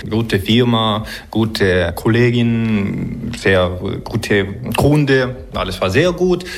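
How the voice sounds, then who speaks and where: A man with a Ukrainian accent, a native Ukrainian speaker, answering interview questions in halting learner's German with many pauses. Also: fairly low pitch, a little hiss or hum. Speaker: interview guest, refugee. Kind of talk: casual interview.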